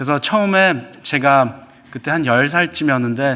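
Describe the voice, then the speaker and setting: The man's voice has a bright, sharp tone and a fairly high pitch with ordinary variation. He speaks at a fairly slow pace. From Brazil. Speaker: missionary. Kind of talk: sermon. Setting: church.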